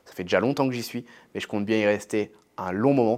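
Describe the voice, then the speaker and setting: On a very clean recording with a silent background, a man uses a normal speaking voice at a fairly quick pace with fairly even intonation. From France. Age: 20s. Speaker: online entrepreneur. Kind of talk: casual interview.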